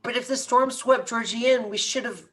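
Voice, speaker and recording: A woman playing an earnest, grieving boy with a halting stutter in a script table read. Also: on the high side, steady tone, fairly bright tone. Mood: earnest, hopeful. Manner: halting stutter on hard words.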